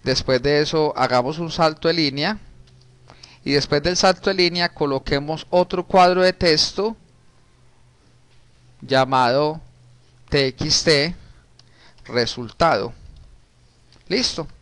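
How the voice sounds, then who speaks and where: A man, teaching a programming class in a relaxed way while working on screen. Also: on the high side, slow pace, pauses often, dry recording. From Colombia. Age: 30s. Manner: casual, talks while typing, frequent restarts and diminutives. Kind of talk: recorded screen-share coding lesson.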